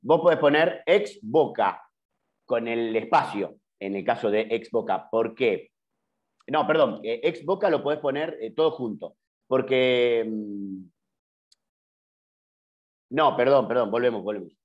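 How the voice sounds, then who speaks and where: A man's voice: mid-range voice, a little slow, long pauses. A middle-aged man with an Argentine Spanish accent, teaching an online journalism class, explaining patiently with frequent "eh" fillers and self-corrections. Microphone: computer mic on video call. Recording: dull lo-fi video call audio.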